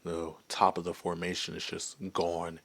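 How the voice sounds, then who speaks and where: A man voicing a friendly, gentle werewolf and former adventurer in an intimate ASMR roleplay, chatting in a hesitant, softly amused way. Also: sits low, completely flat delivery, normal speed, creaky. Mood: amused, casual.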